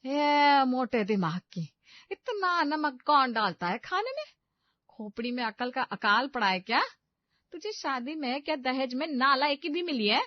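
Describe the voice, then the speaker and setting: A woman voicing a strict, shouting middle-aged mother-in-law who scolds loudly and sharply in a cartoon. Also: a little high, steady tone, a little fast, few pauses, no room sound, close to an everyday voice. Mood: scolding. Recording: dull lo-fi dry recording.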